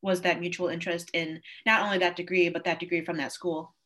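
A lowish, slightly bright female voice with little pitch movement speaks quickly. She's a twenty-one-year-old college student appearing as a guest in a casual interview, earnest and upbeat, with frequent fillers.

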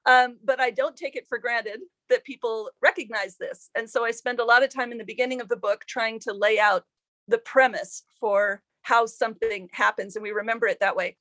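A woman's voice: on the high side, fairly even intonation, normal speed, a bit bright, no room sound. Woman author, thoughtful and dry-sounding. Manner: thoughtful, self-deprecating, many fillers and restarts. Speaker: author and historian. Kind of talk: podcast interview answers.

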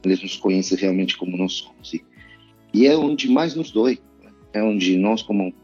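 Husky low Argentine man, earnest. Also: lively intonation, normal speed, dark tone, muffled recording, faint music behind. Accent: Argentine Spanish. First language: Spanish. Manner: reflective, earnest, hesitant with "eh". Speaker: pastor and missionary. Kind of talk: casual podcast interview.

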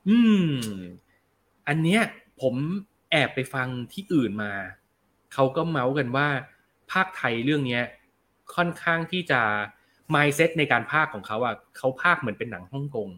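A young adult man hosting a casual film review show, chatting in a relaxed, slangy way and answering viewer comments. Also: mid-range voice, normal speed.

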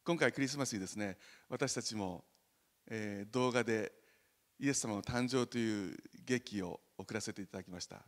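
A man preaching a sermon as pastor, animated and joking, loudly acting out the voices he quotes. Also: fairly low pitch, normal speed, big-room sound. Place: church sanctuary.

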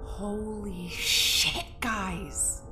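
A woman's voice: medium pitch, fairly even intonation, extremely slow, pushed and bright, soft background music, heavily acted. A woman playing a brash, blunt, impatient young female prisoner in an audio drama. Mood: nervous, wry.

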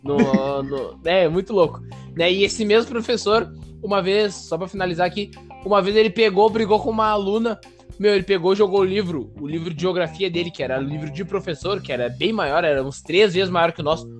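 A man's voice: sits high, a little fast, soft background music. Slangy man telling stories. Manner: animated, slangy, full of fillers. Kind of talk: casual storytelling chat.

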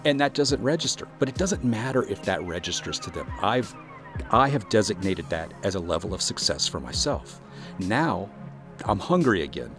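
A man's voice: fairly low pitch, big pitch swings, moderate pace, music in the background. A man hosting his own solo podcast, talking earnestly and encouragingly about defining success as an artist. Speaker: podcast host and composer. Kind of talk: solo motivational podcast monologue.

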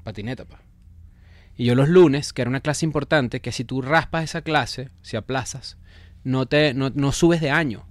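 A man's voice: medium pitch, dry recording. A young adult man with a Venezuelan accent, a comedian co-hosting a podcast, joking and telling stories in casual banter. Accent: Venezuelan Spanish. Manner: quick, joking, storytelling. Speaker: comedian co-host.

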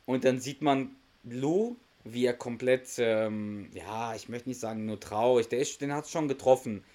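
A man's voice: medium pitch, unhurried, dark tone. A man hosting a podcast, casually retelling a sitcom episode, often laughing and acting out the characters' lines. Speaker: podcast host.

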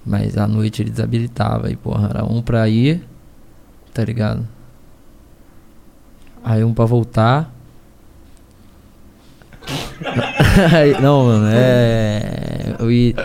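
A man from Niterói with a carioca accent, his voice gravelly with fry. He talks in a dark, mellow tone, slow and hesitant, piling up slang fillers as a podcast guest. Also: mid-range voice, steady tone. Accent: Carioca Brazilian Portuguese. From Niterói, Rio de Janeiro, Brazil. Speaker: podcast guest, rap battle MC. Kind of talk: casual interview chat.

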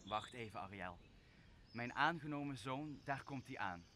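A young man playing a wronged, commanding exiled sorcerer in a Dutch radio play, speaking solemnly and deliberately. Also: medium pitch, lively intonation, pushed and bright, slight background noise. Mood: commanding, brooding. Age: young adult. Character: wronged exiled sorcerer master, brooding and commanding, father figure. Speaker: drama student actor.

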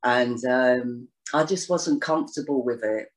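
A woman's voice: extremely low pitch, measured pace. A woman guest in a casual interview, talking at length in a rambling way with lots of "you know"s and restarts. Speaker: astrologer guest.

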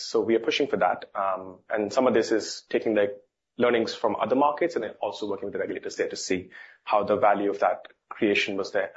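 A man speaking as a company executive on an earnings call, informal in phrasing as he answers questions. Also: on the low side. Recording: dull, band-limited call audio.

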